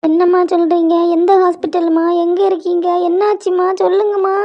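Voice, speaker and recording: A woman's voice: very high voice, little pitch movement, a little fast. A woman voicing an anxious young working daughter in a cartoon, speaking in a pleading tone. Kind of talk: cartoon voice acting. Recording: dull lo-fi sound.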